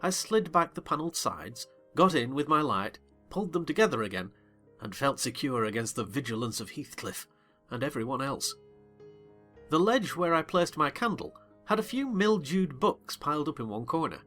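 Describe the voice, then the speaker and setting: A man narrating a dramatized classic novel in first person with a theatrical, expressive delivery, soft music beneath. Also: medium pitch, moderate pace. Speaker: audiobook narrator.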